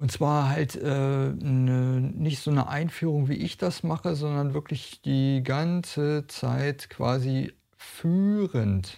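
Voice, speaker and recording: Hardly pausing, the speaker moves at a very slow pace in a gentle tone. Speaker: meditation teacher. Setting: recording with meditation timer and gong bell. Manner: gentle, unhurried guiding tone.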